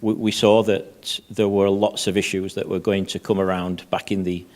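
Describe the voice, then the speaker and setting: Man, panelist, halting delivery, low-ish pitch, conference stage. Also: little pitch movement, darkish tone. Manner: halting, repeats words often. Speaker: panelist, head of safety.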